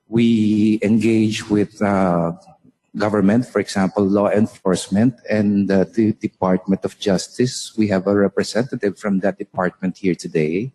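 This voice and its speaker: Male conference speaker, deep-leaning and slightly rough voice, measured delivery, echoing hall sound. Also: dark tone. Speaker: panel representative reporting from a local chapter. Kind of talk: prepared remarks to an online conference. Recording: echoey hall with long reverb.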